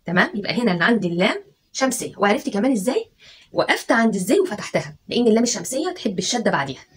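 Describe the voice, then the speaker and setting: A woman's voice: mid-range voice, sing-song, slight background noise. A woman teacher with an Egyptian Arabic accent, sounding out letters one by one for children in a patient, coaxing tone. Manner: stretches syllables out slowly, sounding letters one by one. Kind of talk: children's spelling and dictation lesson.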